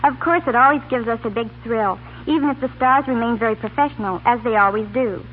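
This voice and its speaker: A woman's voice: on the high side, quick pace. Young woman guest, tinny old radio. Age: young adult. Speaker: guest, university student. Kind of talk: scripted radio interview answers. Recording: tinny, noisy 1930s radio recording.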